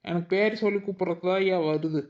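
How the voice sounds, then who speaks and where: A man playing a teasing, sharp-tongued young village wife in a cartoon. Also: high-pitched, fast talker, dull audio, lightly acted. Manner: teasing, cheeky. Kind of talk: cartoon voice acting.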